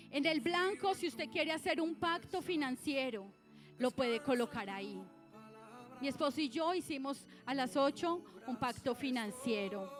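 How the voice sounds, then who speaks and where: A middle-aged woman with a Colombian Spanish accent preaches to her church in a high voice. She exhorts the congregation and keeps firing questions at them, with faint music under her. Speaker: pastor. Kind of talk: sermon.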